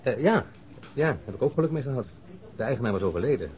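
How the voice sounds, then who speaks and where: A man's voice: medium pitch, animated, quick pace, highs cut off, close to an everyday voice. A man playing a chatty, self-deprecating newspaper reporter who talks hesitantly in a naturalistic radio drama. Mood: chatty, grateful. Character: eager, chatty bachelor newspaper reporter, former convict.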